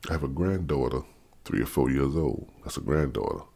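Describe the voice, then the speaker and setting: Blunt dc-area guy about fifty, super deep husky voice, ranting to camera. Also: expressive, a little fast, warm tone. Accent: Maryland / Washington DC area. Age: 50s. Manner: blunt, repetitive, stammers on restarts. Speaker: vlogger. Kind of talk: unscripted opinion rant.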